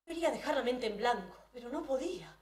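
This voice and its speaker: A woman performs a first-person dramatic monologue at a live event, hesitant and often restarting her phrases. Her voice sits fairly high. She is heard from far off in a roomy hall. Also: expressive, fast, a little mellow. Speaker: storyteller.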